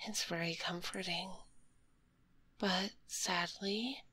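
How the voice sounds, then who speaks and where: A woman playing a kind, curious spider monster girl in a whispered ASMR roleplay, speaking gently in a breathy, politely formal way, close to a binaural microphone. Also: on the low side, steady tone, takes it slowly, no room sound, heavily acted. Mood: wistful, fascinated. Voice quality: breathy, hushed.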